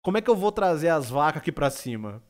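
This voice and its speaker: A young Brazilian man with a Brazilian Portuguese accent and a fairly high voice chats loosely on a live stream. He jokes, rambles and answers his chat aloud into a desk microphone in a small room. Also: big pitch swings, quick pace. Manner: playful, joking, reads chat aloud, rambling. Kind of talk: casual live-stream chat while gaming.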